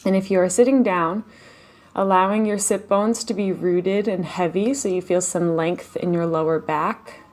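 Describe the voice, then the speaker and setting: A woman with a lowish, gentle voice leads a guided meditation. She talks slowly and softly, leaves long pauses between phrases, and breathes out in audible sighs. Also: fairly even intonation. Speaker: meditation teacher. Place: home, live online session.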